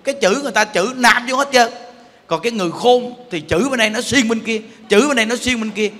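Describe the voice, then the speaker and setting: Male Buddhist preacher, Southern Vietnamese accent, high pitch, emphatic and teasing, long hall reverb. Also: quick pace, bright, forceful tone. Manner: emphatic, playful, asks the audience rhetorical questions. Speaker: Buddhist teacher. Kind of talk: Buddhist sermon.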